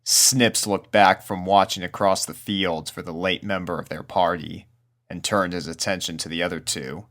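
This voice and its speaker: A man reading scripted spooky fiction as narrator, in a measured way with dramatic pauses. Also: low voice, steady tone, a bit bright. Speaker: narrator, fan fiction reader.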